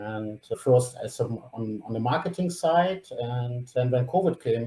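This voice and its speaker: A man with a dark, mellow tone speaks at a medium pitch. His voice is somewhat breathy, and his pace is moderate. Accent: German. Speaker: tech company CEO. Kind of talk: podcast interview. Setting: remote call. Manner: halting.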